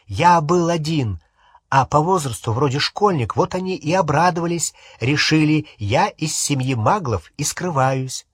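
A man's voice: on the high side, expressive, a little slow, breathy edge, no echo, clean studio sound, pitched above the performer's own voice. A man reading an audiobook, voicing a guilty teenage boy wizard who pleads and argues back. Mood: defensive pleading. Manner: pleading, then shouting back.

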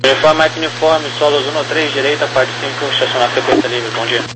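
A Brazilian male tower controller delivers clearances in standard radio phraseology. His mid-pitched voice comes through a crackly radio with clear background noise. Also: fairly even intonation, fairly quick. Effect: crackly radio transmission. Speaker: tower air traffic controller. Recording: noisy radio with engine-like ambience.

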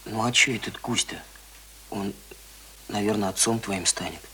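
An actor playing an earnest, know-it-all schoolboy in a radio play, speaking in a brisk, instructive, colloquial way. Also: male voice, on the low side, pushed and bright, slight background noise, poor audio. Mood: matter-of-fact.

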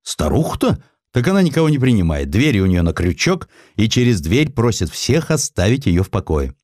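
A gossipy, folksy newspaper reporter acted by a man in an audio drama. His tattling swings up and down in lively colloquial phrases, in a close, dry sound. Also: lowish voice, fairly quick, no echo, voice pushed up. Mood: gossipy, animated. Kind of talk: Russian audio drama storytelling.

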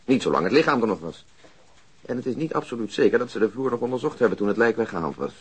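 A man's voice: medium pitch, very animated, fast, slightly rough. An actor playing a dry, unflappable policeman in a radio drama, matter-of-fact and needling towards his colleague. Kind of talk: Dutch radio drama acting, conversational.

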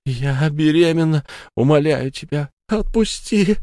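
A man voicing a terrified, pregnant young woman who begs for mercy in high, sobbing pleas. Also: expressive, normal speed, darkish tone, no room sound, studio quality. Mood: pleading.

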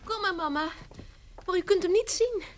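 An actress in a radio drama playing a dutiful young daughter, earnest and protective, with a nervous, stammering manner. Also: female voice, extremely high pitch, moderate pace, a little hiss or hum. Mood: cautious, coaxing. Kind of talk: Dutch radio drama acting.

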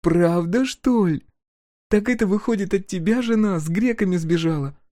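A man's voice: sits high, moderate pace, mellow, no room sound, studio quality, voice pushed up, natural voice. A man voicing a bossy, teasing peasant girl. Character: sharp-tongued young peasant woman, bossy. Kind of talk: audiobook character voice.

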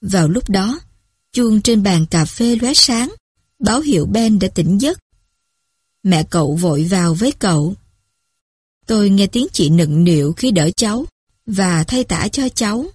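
A woman narrating a story in a measured, even reading voice. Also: medium pitch, breathy edge, no echo, clean studio sound.

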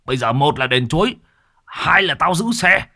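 A man voicing a hot-tempered old orchard owner, shouting threats. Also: on the high side, expressive, moderate pace, voice pushed up, exaggerated voice. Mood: raging. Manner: shouting, furious.

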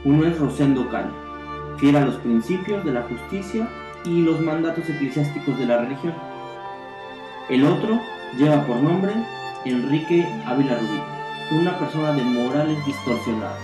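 Narrator for old-time radio drama: Mexican man, theatrical announcing, roomy sound over clear string music. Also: a little high, animated, moderate pace.

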